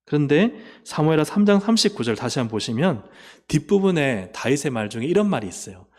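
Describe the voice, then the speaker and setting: A man preaching a sermon as pastor. He asks the congregation questions and answers them himself, and he moves between emphatic rises and quiet, low endings. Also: very animated, fairly quick. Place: church sanctuary. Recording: long hall reverb.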